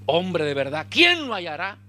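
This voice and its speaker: A man delivers a lively sermon. His voice sits high and swoops widely, with a bright, sharp edge, and he rises to shouts as he acts out dialogue. A faint hum runs underneath. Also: normal speed. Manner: animated preaching, shouting in peaks, acting out dialogue. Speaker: pastor.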